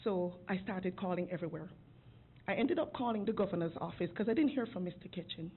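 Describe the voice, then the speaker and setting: An earnest woman speaks at a podium microphone during public comment, her voice pitched fairly low. She talks deliberately and with rising feeling. The recording is thin and phone-like with faint hiss. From outside Georgia. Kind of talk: public comment at a city meeting. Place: city commission chamber.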